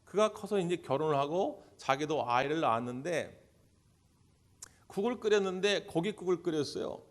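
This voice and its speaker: A man's voice: fairly high pitch, expressive, normal speed. A male pastor preaching at a church service, telling stories, acting out the people in them, and putting questions to the congregation. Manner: storytelling, acting out quoted voices. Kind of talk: sermon.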